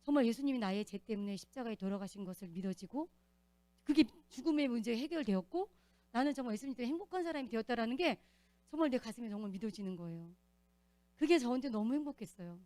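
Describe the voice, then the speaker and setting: A woman giving an earnest, animated testimony as a church deacon, telling her story in a church. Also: fairly high pitch, fast talker, no room sound.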